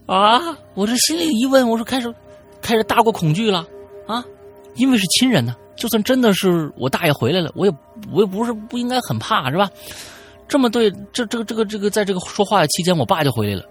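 Brief: male podcast host narrating a story, chatty, stumbling repeats, slightly raised pitch, faint music behind. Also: fast. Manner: animated, chatty, frequent stammering repeats.

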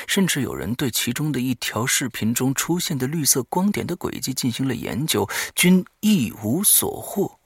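A man's voice: fairly low pitch, gravelly, fairly bright tone, husky, no room sound, clean studio sound. A man hosting a horror audio show, reading a diary aloud dramatically and breaking off for offhand, muttered asides.

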